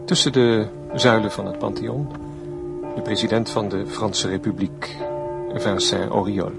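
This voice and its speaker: Male 1950s reporter, radio drama, low pitch, solemn halting live commentary over prominent music. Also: fairly even intonation, creaky. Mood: solemn, reporting. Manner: hesitant, descriptive, reverent.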